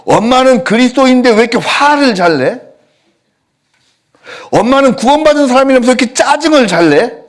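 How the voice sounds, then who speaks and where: A man's voice: lively intonation, fairly quick, long pauses. A pastor voicing a young child who innocently questions its mother. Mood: puzzled. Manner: high, incredulous questioning.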